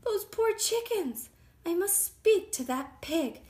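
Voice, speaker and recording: A woman voicing a friendly male wolf in a storybook, gentle, polite and concerned. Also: sits high, animated, measured pace, voice pushed up.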